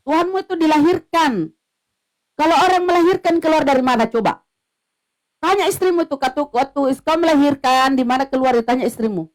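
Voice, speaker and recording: High-voiced woman in a heated debate, taunting and jabbing over and over. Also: expressive, fairly quick. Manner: mocking, confrontational, repetitive jabs. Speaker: religious debater.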